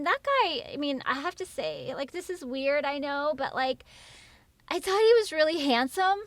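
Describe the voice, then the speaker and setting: A woman's voice: high-pitched, fairly bright tone, no room sound. A woman playing a self-absorbed, panicky young female rideshare driver who rambles with lots of fillers, in an audio drama. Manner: pleading, rambling, many fillers and likes.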